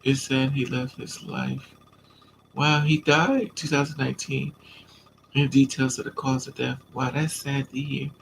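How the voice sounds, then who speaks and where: A man's voice: mid-range voice, measured pace, creaky, a little hiss or hum, rough recording. A man with a stuffy nose from a coming cold, chatting casually on a live stream and answering viewers' comments. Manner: relaxed, chatty, talks back to commenters.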